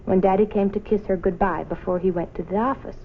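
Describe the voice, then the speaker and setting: A woman reading a children's story as an expressive scripted narration. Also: mid-range voice, a little fast. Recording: muffled noisy old film soundtrack.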